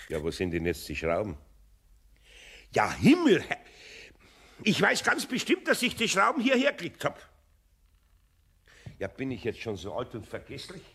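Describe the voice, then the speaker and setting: A man's voice: on the low side, a bit bright, a little hiss or hum, full character voice. A man playing a grumbling but good-natured older master carpenter with a Bavarian accent in an audio drama. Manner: muttering to himself, exclaiming.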